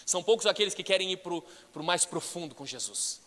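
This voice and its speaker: High-voiced Brazilian pastor preaching. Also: male voice, a little fast. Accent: Brazilian Portuguese. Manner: lively, joking, bursts of shouting. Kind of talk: sermon. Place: church. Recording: long church hall reverb.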